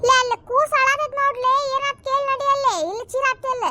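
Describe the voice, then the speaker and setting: Squeaky bright north karnataka village aunties nagging each other in a cartoon. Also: female voice, flat delivery, a little hiss or hum, exaggerated voice. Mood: bickering. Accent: North Karnataka Kannada. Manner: quick, scolding banter. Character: gossipy village women, bickering, adult. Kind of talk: cartoon comedy dialogue.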